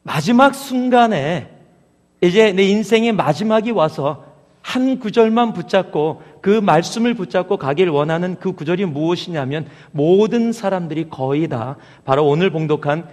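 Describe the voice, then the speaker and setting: A man's voice: a little high, in a large hall. A man from Chungcheong Province in Korea preaching a sermon as a pastor, speaking conversationally and putting questions to the congregation. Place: church sanctuary.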